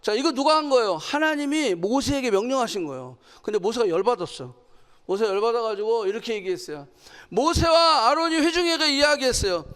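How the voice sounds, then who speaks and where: Speaking fast with a fairly high voice, a woman preaches to her congregation in a church sanctuary. As pastor, she's animated, firing questions at the listeners and dramatizing quotations. The sound has a long, hall-like reverb.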